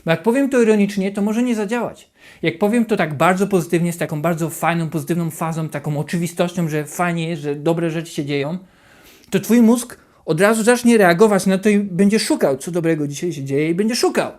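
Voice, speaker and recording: A self-help channel host giving a motivational talk to the viewer, animated and repetitive, dropping into a hushed, anxious voice to act out inner thoughts. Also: medium pitch, fairly quick. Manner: repeats and rephrases questions over and over.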